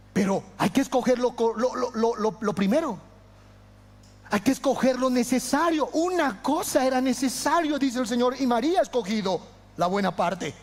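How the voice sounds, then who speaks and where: A man preaching a sermon as pastor, impassioned, swinging from loud declarations to hushed words. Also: very high-pitched, big-room sound.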